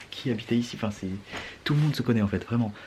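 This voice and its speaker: The voice is soft-spoken, with ordinary pitch variation. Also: man. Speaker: travel vlogger. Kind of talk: casual vlog talk to camera.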